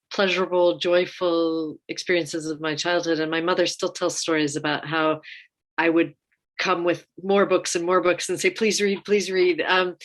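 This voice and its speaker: A woman's voice: fairly low pitch, fairly bright tone. A woman speaking reflectively as a panelist in an informal discussion, searching for her words as she thinks.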